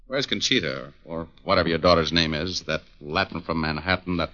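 A man's voice: deep voice, a little fast, bright, forceful tone, no echo. A man playing a wisecracking hard-boiled private eye in a 1940s radio drama, with a clipped, sardonic tough-guy delivery. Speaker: radio drama lead actor and show host. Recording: dull lo-fi old radio broadcast.

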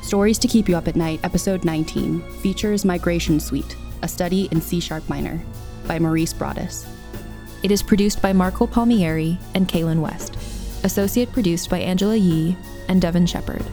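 A woman delivers a scripted credits read as announcer. Her voice is slightly low and mellow, with faint music behind it. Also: moderate pace.

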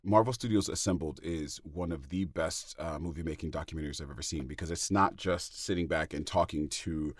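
A man co-hosting a podcast in casual chat, animated and quick to laugh loudly. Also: very deep voice, slightly rough, no room sound, studio quality. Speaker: podcast co-host.

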